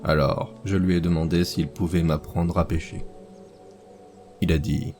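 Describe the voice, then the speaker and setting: Man, horror narration, deep voice, dark mellow tone, measured pace, soft music underneath. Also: fairly even intonation.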